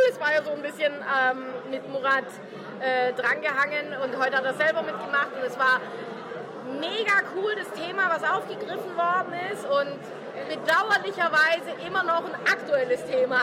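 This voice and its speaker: Woman, high voice, casual, slangy, crowd chatter. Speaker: theatre audience member.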